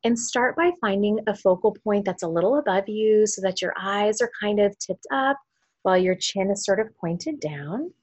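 A woman hypnotherapist guiding a relaxation induction in a soothing, lulling manner, her phrases trailing off softly toward a whisper. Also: mid-range voice, expressive, no echo, dull audio. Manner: slow, drawn-out, lulling delivery with pauses.

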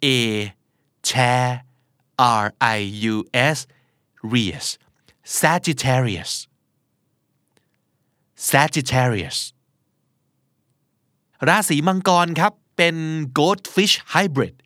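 Thai-accented male teacher, slow and careful, spells each word aloud, dry close recording. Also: medium pitch, very animated, a bit bright, dry recording. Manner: slow, spells words letter by letter. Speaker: English pronunciation teacher. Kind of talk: podcast pronunciation lesson.

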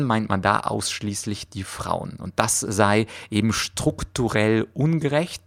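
A man hosts a podcast, talking through his topic in a calm, explanatory monologue. His voice sits low and sounds gravelly, and he pauses often with small hesitations. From Russia. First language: Russian. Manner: thoughtful, many hesitations with "äh". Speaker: podcast host.

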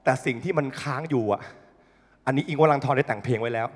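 A young man doing stand-up, telling an animated, profane story full of sound effects. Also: mid-range voice, fast talker, heavy background noise. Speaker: comedian. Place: studio stage. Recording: long reverb in a studio hall.

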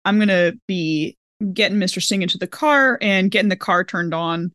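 A woman's voice: lowish voice, moderate pace, fairly bright tone, no echo, clean studio sound. A woman playing a tabletop game, casually describing what her character is doing. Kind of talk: casual improvised role-play.

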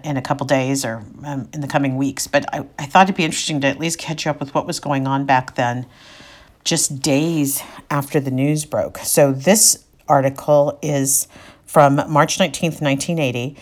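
A middle-aged woman hosting a personal podcast from home, speaking in a candid, reflective, conversational way. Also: rumbling low. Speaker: podcast host. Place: home in Sacramento.

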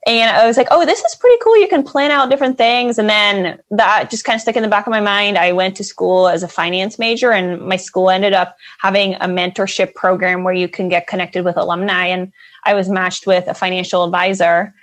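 A woman's voice: medium pitch, brisk. Chatty young woman guest. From Netherlands. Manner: chatty, many fillers and laughs. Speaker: guest, financial advisor. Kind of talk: casual interview chat.

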